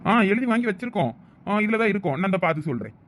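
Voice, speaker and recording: A man plays a chatty middle-aged police officer in a cartoon, with a Thoothukudi Tamil accent. He speaks very fast and in a high voice, and he explains everything in long stretches. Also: sing-song. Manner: rapid, chatty, explaining at length. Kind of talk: cartoon voice acting.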